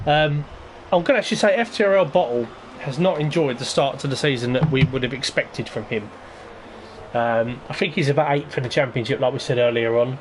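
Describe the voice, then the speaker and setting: A man's voice: mid-range voice, brisk, a little hiss or hum. Rambling male sim-racing commentator. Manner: rambling and hesitant, lots of ums. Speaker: lead commentator of an online racing league. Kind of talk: casual race-preview commentary.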